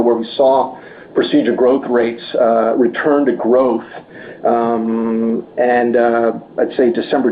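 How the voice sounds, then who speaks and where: A male executive answers questions on an earnings call. His pitch moves little and he halts and repeats words as he builds each point. The sound is muffled, with a faint noise behind him. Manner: halting, repeats words as he goes. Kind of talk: answering analyst questions on a business conference call. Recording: muffled conference line with background noise.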